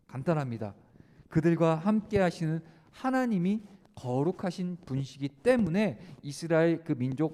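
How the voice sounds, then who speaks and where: Male youth preacher, high register, chatty sermon full of questions and fillers, long church reverb. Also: darkish tone. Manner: conversational, asks the youth questions and answers them, many "uh" fillers. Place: church sanctuary.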